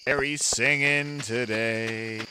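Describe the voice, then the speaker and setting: Man gaming streamer, slow casual chat, big pitch swings, clear background noise. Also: steady tone. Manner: joking, bursts into loud shouted impressions.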